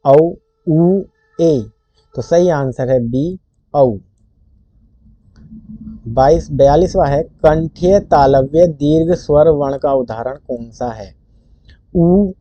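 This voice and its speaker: A man tutoring for a Hindi exam who reads quiz questions and options slowly, then states the answer, recorded close up in a dry room with dull lo-fi sound. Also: medium pitch, mellow, dry recording.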